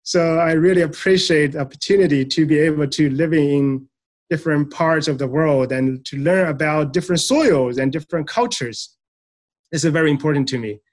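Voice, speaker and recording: A man in his thirties from Eastern China, a soil scientist answering interview questions in a measured, explanatory way with frequent fillers. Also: a little high.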